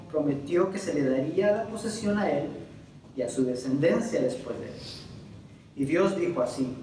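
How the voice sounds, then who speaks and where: A Puerto Rican man teaching a Bible lesson like a sermon, his somewhat high voice rising into loud stresses and sinking into slow, drawn-out words. He puts questions straight to his listeners. He is recorded from some distance in a very echoey room, with faint noise underneath. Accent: Puerto Rican Spanish. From Puerto Rico. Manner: addresses the audience directly with questions. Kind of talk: Bible class lecture, preaching style.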